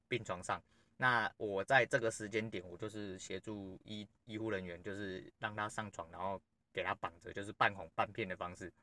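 Dude rambling thru a story, talks super fast, dry close sound, kinda blunt n sweary. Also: male voice, lowish voice, bright, forceful tone, dry recording. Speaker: podcast host. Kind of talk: casual storytelling monologue.

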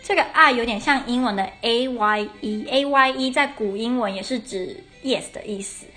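Young woman, slightly high voice, podcast lesson host; chatty, self-correcting, with soft music underneath. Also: normal speed. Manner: chatty, explains step by step, corrects herself mid-sentence. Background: faint traditional Irish music.

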